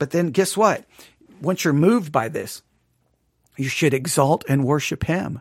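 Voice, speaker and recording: Here a man with a Texan accent talks at a fairly slow pace, leaving long, frequent pauses. His pitch is fairly high, with ordinary variation. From Texas. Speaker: theology podcast host and teacher. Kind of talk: theology lecture. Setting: studio. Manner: animated.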